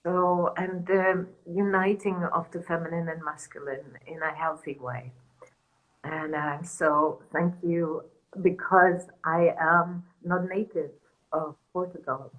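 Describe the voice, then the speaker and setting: Woman, low voice, unhurried, earnest, soft, spiritual teacher from Germany. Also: fairly even intonation, narrow, tinny audio. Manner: slow, soft, earnest, with small laughs. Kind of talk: reflective talk in a panel conversation.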